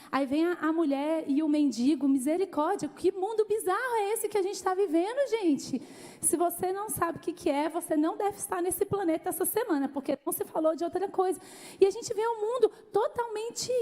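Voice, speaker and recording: Young Brazilian woman pastor, very high voice, animated sermon storytelling, long church reverb. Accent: Brazilian Portuguese. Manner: animated, laughing storyteller addressing the congregation. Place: church hall.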